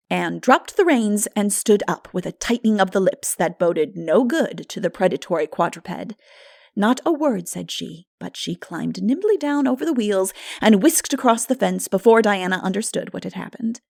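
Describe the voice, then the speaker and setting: A woman reading literary narration as an audiobook narrator, in an expressive, measured storytelling manner. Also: mid-range voice, gravelly, no room sound, studio quality.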